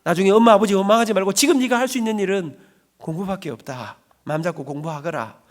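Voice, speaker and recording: A man's voice: sits high, fast talker, close to an everyday voice. A man voicing a pleading, worn-out mother. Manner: pleading, tearful scolding.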